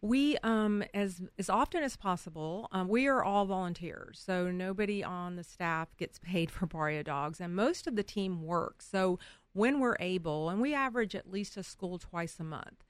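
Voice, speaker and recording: A woman with an American accent speaks in a plain, everyday voice at medium pitch, with ordinary pitch variation and a moderate pace. She hardly pauses, and the recording is very clean with a silent background. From Houston, Texas (Greater East End). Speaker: nonprofit founder. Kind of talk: radio interview.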